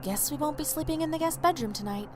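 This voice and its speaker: A woman's voice: high voice, animated, fast talker, music in the background. An actress playing a frank, pragmatic young woman with a blunt, matter-of-fact manner in an audio drama. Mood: wry.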